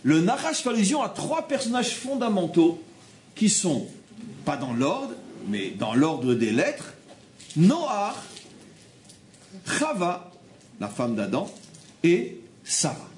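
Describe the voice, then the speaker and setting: A man from France, giving a Torah class, animated and repeating phrases as he makes his points. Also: high-pitched, takes it slowly, long pauses, slight background noise. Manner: animated, repeats phrases, acts out quoted people. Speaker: religious teacher. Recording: roomy room with faint background ambience.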